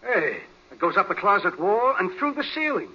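A folksy, grumbling American policeman, high-voiced and raspy with a very forceful edge. He has the plain-spoken manner of old radio crime drama, heard through a dull vintage recording. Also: very animated, normal speed, exaggerated voice. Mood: puzzled. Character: gruff, folksy, grumbling male police detective.

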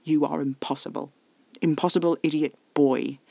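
A man's voice: fairly high pitch, fairly even intonation, moderate pace, vocal fry, mellow, dry recording. A man voicing an intense, haughty male vampire. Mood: frustrated, angry. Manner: haughty, exasperated, formal wording. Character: intense, frustrated, possessive male vampire with formal speech.

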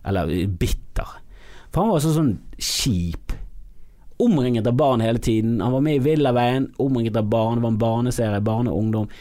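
A comedian from Bergen with a Bergen accent, ranting in a podcast monologue, swinging from loud mock-outrage outbursts to low mutters. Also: male voice. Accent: Bergen Norwegian. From Bergen, Norway.

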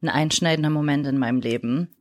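Woman guest, raised in Germany, deep low voice, reflective, hunts for words as she goes. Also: fast. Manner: reflective, searching for words mid-sentence. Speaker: interview guest. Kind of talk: personal storytelling in a podcast interview.

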